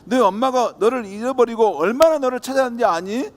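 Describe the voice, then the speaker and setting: A man doing a brisk, scolding village woman. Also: on the high side, animated, voice pushed up, close to an everyday voice. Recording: long church hall reverb.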